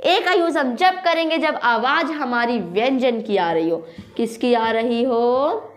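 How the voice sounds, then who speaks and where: High-voiced woman teaching grammar. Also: expressive, a little slow. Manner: quizzes listeners with repeated questions, spells words aloud. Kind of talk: classroom-style grammar lesson.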